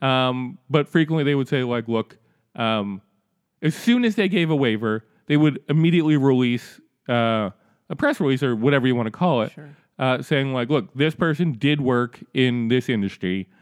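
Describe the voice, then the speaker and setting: The man talks at a moderate pace and a medium pitch. He has an ordinary speaking voice with ordinary pitch variation. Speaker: podcast co-host. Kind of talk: casual political chat podcast.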